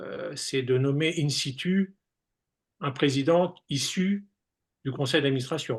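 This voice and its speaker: A man's fairly high, somewhat breathy voice at a very slow pace, with long, frequent pauses over a quiet background. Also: ordinary pitch variation. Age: 60s. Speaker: association president, former business consultant. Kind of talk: webinar panel discussion. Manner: hesitant, many fillers.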